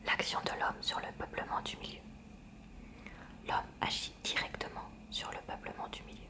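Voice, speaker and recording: An ASMR reader, a woman, reads quietly from a school science textbook. Her breathy library whisper is unvoiced, and she keeps the reading hushed, cautious and measured.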